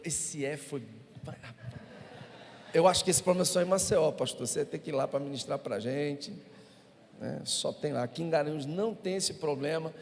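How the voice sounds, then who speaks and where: In a reverberant church hall, a male pastor with a Brazilian Portuguese accent preaches a sermon, telling the congregation humorous stories. His voice is on the high side and creaky.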